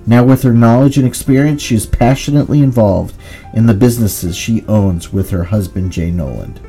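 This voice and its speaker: A man's voice: fairly low pitch, normal speed, warm tone, breathy edge, faint music behind. A man hosting an interview show, formally reading out the guest introductions before asking his questions. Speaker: host.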